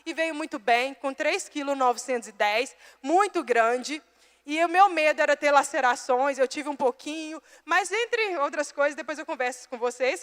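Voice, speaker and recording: A woman's voice: sits high, fairly bright tone. A young woman preaching in a church, telling a personal story in a chatty way and addressing listeners directly before reading scripture. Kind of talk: sermon with personal testimony. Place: church hall. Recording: long hall reverb.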